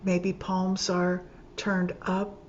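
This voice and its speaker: A woman teaching yoga nidra, leading a guided meditation calmly and gently, in short phrases with pauses between them. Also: on the low side. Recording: dull lo-fi sound with clear background noise.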